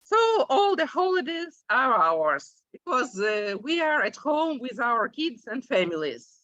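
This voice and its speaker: Woman, 40s, Russian-native English speaker presenting; slow and halting, lively intonation, dry sound. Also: high-pitched, dry recording, dull audio. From Ukraine. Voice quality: frequent hesitations, many drawn-out "uh"s. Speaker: symposium presenter, English teacher. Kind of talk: conference presentation.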